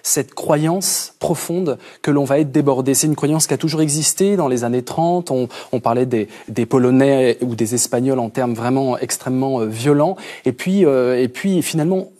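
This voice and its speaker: A man's voice: medium pitch, normal speed, hardly any pauses, mellow. A man, a philosopher invited as a guest, answering questions in a television studio in an earnest, hesitant way with many fillers and restarts. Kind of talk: studio TV interview. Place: TV news studio.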